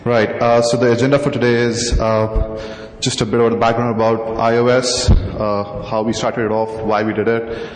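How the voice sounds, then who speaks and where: A man's voice: mid-range voice, level tone, normal speed. A young man with an Indian accent giving a technical conference talk in a large hall at a podium mic, full of hesitant fillers. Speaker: conference presenter. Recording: echoey hall, faint noise.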